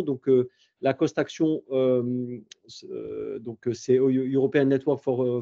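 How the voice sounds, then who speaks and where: A man's voice: medium pitch, warm tone, highs cut off. A man in his fifties, a university professor giving an online presentation, speaking effusively and often restarting words mid-sentence. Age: 50s. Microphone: video call.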